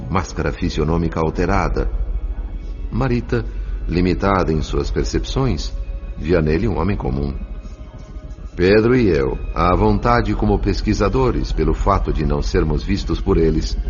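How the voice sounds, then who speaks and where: A man with a Brazilian accent giving a solemn, measured, scripted dramatic narration of an audio novel. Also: deep voice, darkish tone. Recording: muffled audio with music underneath.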